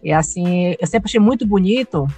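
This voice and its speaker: A man's voice: high-pitched, moderate pace, warm tone, breathy edge, faint music behind. A man hosting an interview, asking polite questions and addressing the guest as professora. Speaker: interviewer host.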